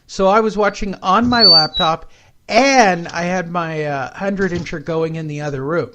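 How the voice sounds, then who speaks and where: A man's voice: high voice, moderate pace, noisy background. A man hosting a casual podcast chat who rambles and cracks jokes. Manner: rambling, wisecracking. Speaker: podcast host.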